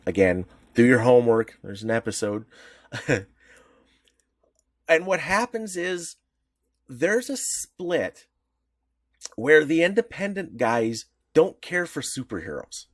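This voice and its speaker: A man co-hosting a podcast, explaining at length and restarting his sentences as he goes. His pitch jumps up now and then, and his voice is close and dry with no room sound. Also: sing-song, slow, long pauses, no echo. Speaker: podcast co-host. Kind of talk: casual podcast discussion.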